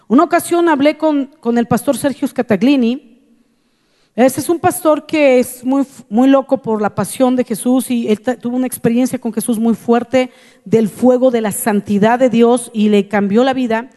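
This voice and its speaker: A woman's voice: a little high, moderate pace, dark tone. Woman pastor preaching in a reverberant hall. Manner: earnest storytelling, repeating phrases for emphasis. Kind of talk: testimony in a sermon.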